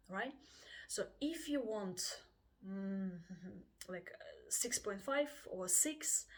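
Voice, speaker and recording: Russian-accented woman, IELTS tutor type, chatty and animated, mid-pitched. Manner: chatty, acts out students' voices, frequent laughs. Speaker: IELTS teacher. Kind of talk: casual video lesson.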